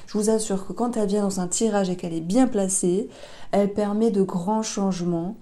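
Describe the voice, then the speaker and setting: A woman giving a tarot reading, talking gently and unhurriedly with fillers and self-corrections. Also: medium pitch, steady tone, moderate pace. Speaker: tarot reader.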